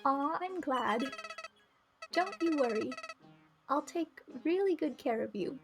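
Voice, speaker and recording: A woman's voice: high voice, lively intonation, slow pace, music in the background, exaggerated voice. A woman voicing a talking flower from a visual novel, folksy and sugary with a cruel streak underneath. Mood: sweetly coaxing. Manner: chirpy, coaxing, folksy. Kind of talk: visual novel character read-aloud.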